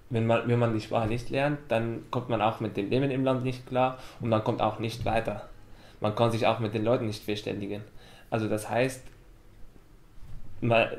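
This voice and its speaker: A man's voice: mid-range voice, a little mellow. Young Arabic-accented man, echoey room. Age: 20s. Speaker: interviewee, young migrant. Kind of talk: interview testimony. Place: medium-sized room with plants and bookshelves. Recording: roomy, echoing camera sound.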